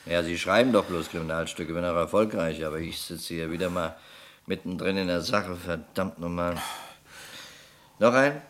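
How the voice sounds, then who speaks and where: A worldly homicide detective: very deep, forceful voice, blunt, sardonic, probing. Radio play. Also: male voice, moderate pace. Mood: wry, weary. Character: sharp, sceptical, worldly city homicide investigator. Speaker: actor in a radio crime play. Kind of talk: German radio crime drama acting.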